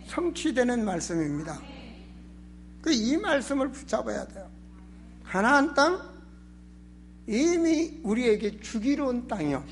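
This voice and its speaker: A man's voice: sits high, a little hiss or hum. A man preaching a sermon as a pastor, emphatic and exhorting, with rhetorical questions and a strained, sore throat. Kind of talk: sermon in Korean church.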